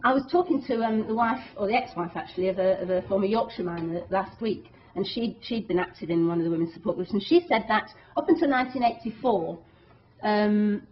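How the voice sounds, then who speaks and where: A woman activist speaks earnestly and emphatically to an audience at a public meeting, often restarting her phrases. Her pitch sits in the middle range. The recording is dull and lo-fi. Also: fairly quick. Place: meeting hall.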